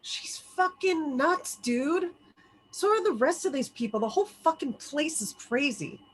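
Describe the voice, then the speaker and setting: Brash young slacker guy, read by a woman, highish animated voice, crude and blunt. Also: a little slow, poor audio. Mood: dismissive, crude. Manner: blunt, sweary. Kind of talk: dramatic table read.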